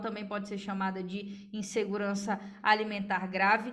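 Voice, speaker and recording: Spoken at a fairly slow pace with a Pará accent, the voice carries audible room echo. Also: woman. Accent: Pará accent, noticeable. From northern Brazil, Belém do Pará. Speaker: Portuguese language teacher. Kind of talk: lecture. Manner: casual, conversational with frequent 'né?'.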